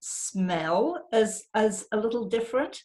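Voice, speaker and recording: Somewhat breathy, a woman with an English accent speaks at a fairly high pitch. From England. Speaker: naturalist. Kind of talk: online presentation.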